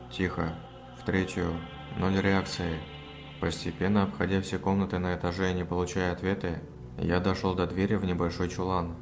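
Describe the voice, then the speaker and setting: Deep, flat-voiced man narrating horror. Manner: calm, measured, even storytelling. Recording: music playing under the voice. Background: background music.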